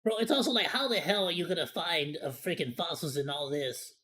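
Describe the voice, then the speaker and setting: A woman's voice: lowish voice, fairly quick, fairly bright tone. A woman streamer giving casual live reaction commentary, talking in an informal, joking, slangy way with some mild swearing.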